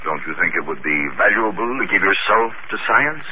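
Scheming mad scientist played by a man, lowish voice with lively rise and fall, tinny noisy old radio drama. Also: a little fast, lightly acted. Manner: cold, smooth, persuasive. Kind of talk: 1950s radio drama acting.

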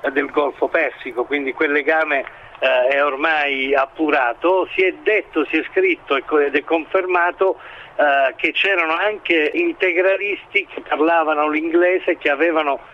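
A man giving expert current-affairs analysis in an interview, speaking in a halting, hesitant way as he builds his points. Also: fairly high pitch, fairly even intonation, muffled recording. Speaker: expert commentator being interviewed.

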